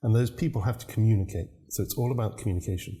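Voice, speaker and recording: A man, a new parent, answering interview questions about business and communication in a measured, reflective way. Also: fairly low pitch, dark tone. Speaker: business consultant guest.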